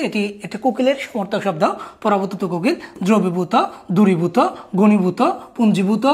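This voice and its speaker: Woman teacher going over spelling rules, patient, keeps saying look closely, mid pitch. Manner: patient, repetitive explaining, prompts to look closely. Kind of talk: recorded spelling lesson.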